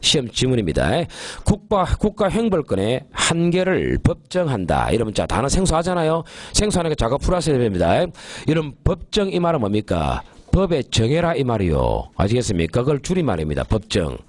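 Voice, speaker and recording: A man lecturing on criminal law for an exam course, emphatic and often checking that the class follows, slowing down to dictate key phrases. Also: mid-range voice, very animated, dry recording. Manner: emphatic, keeps asking the class to confirm.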